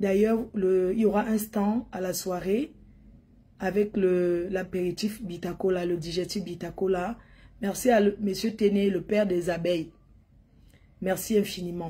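Her intonation stays fairly even. This woman's voice has a somewhat breathy quality. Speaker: event promoter host. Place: home room. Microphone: phone near.

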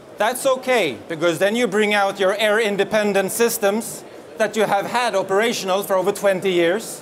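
At a moderate pace, a man with high pitch and ordinary pitch variation speaks over light background noise. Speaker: presenter. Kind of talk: presentation talk. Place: hall. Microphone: headset.

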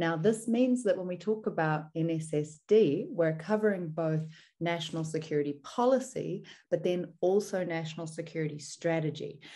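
Speaking in a New Zealand accent at a moderate pace, a woman has a fairly low pitch, a dark, mellow tone and ordinary pitch variation. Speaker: security policy expert. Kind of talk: presentation. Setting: video call.

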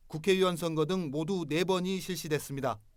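A man's high-pitched voice at a fairly slow pace, with fairly even intonation. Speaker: news reporter. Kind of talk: news report. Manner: formal.

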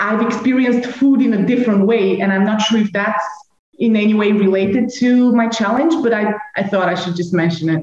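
A woman speaks with a Bulgarian accent at a moderate pace. Room echo is audible. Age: 30s. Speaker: social entrepreneur; podcast session client. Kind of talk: personal testimony. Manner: hesitant. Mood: earnest, slightly unsure. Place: home room. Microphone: video call.

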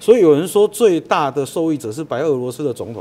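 A man with a Taiwanese accent talks very fast in a fairly high voice, his dark, mellow tone carried by lively intonation. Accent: Taiwanese Mandarin. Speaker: talk show host. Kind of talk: political talk show. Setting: studio. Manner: animated. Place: studio.

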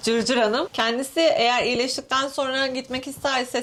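Speaking at a fairly quick pace, a woman is heard through noticeable background noise. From Istanbul, Turkey. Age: 30s. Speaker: travel vlogger. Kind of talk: casual chat.

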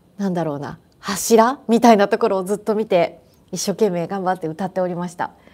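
With a dark, mellow tone, a woman talks at a moderate pace using ordinary pitch variation. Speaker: livestreamer and performer; livestreamer. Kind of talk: casual livestream chat. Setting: live stream, seated. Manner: animated. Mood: cheerful, warm.

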